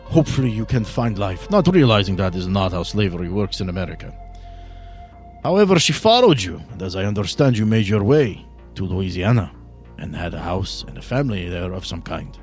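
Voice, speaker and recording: A man voicing a courtly, shrewd old vampire power broker, speaking in stiff, formal, deliberate phrases. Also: deep voice, very animated, darkish tone, faint music behind. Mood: intrigued, storytelling. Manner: formal, deliberate, avoids contractions. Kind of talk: in-character tabletop roleplay.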